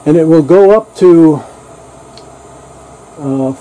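A man's voice: on the high side, slow pace, warm tone, poor audio. An older man in his sixties hosting a casual cooking demo in a motor home kitchen, chatty and joking as he shows off a cooktop. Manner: joking, chatty, reads out a manual. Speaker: channel host. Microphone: camera mic from across the room.

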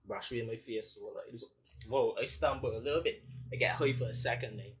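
A man's voice: medium pitch, fast talker. A man co-hosting a podcast, telling a story in casual chat and acting out the people he quotes. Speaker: podcast co-host.

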